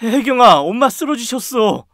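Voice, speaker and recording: A man's voice: very high-pitched, animated, moderate pace, a bit bright, no room sound, clean studio sound. A man performing male roles in a family drama with stern, scolding delivery. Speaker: voice actor for husband and older brother. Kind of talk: acted drama dialogue.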